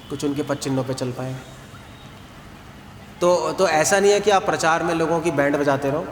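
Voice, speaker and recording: A man, a monk giving a calm, explanatory devotional talk and mixing English words into his Hindi. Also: a little high, slight background noise. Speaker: monk and spiritual teacher. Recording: echoey outdoor space with long reverb, faint ambience.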